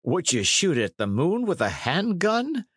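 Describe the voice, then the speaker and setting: A man's voice: a little high, wildly swooping pitch, measured pace, breathy edge, no echo, clean studio sound, pitched above the performer's own voice, heavily acted. A man voicing a blunt, kindly young adventurer in a storybook, with hearty archaic speech. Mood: forthright. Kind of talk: storybook character reading.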